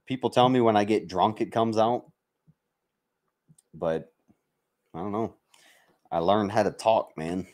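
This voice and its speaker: A man's voice: fairly low pitch, measured pace, long pauses, a little mellow. An American man from Mississippi chatting casually to livestream viewers, blunt and sweary, in a joking, bantering way. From Mississippi, United States. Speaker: livestream host, military veteran.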